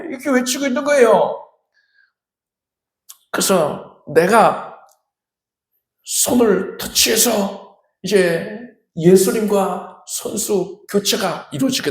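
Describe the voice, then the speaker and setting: A man preaching a Sunday sermon as pastor, dramatic, with sudden shouts and big swings in pitch. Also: gravelly. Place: church sanctuary. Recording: echoey church hall.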